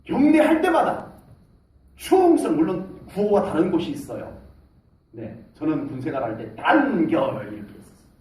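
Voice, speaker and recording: A middle-aged man preaching a sermon as pastor in a church, talking with lively gestures of voice and shouting out salutes as he acts out soldiers. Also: fairly high pitch, moderate pace, a little hiss or hum. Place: church sanctuary. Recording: echoey hall, mic from a distance.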